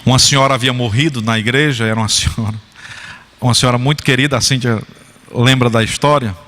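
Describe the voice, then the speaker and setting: A man's voice: medium pitch, steady tone, fast, sharp tone. A man pastor preaching a sermon, telling humorous stories and putting questions to the congregation. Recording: church hall reverb.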